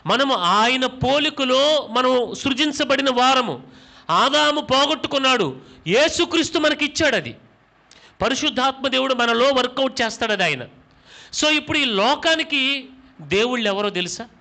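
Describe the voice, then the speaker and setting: A pastor delivers a sermon in a high, bright voice with vocal fry, peppering the congregation with questions. He speaks at normal speed with lively intonation and a forceful, tense tone, repeating words for emphasis and dropping in English phrases.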